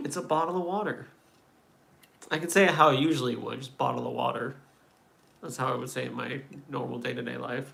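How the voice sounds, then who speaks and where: With an American accent, a man talks at a very fast pace broken by long, frequent pauses, and the room echo is audible. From Kansas, US. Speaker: atheist streamer. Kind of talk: casual live stream chat. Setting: home desk, live stream.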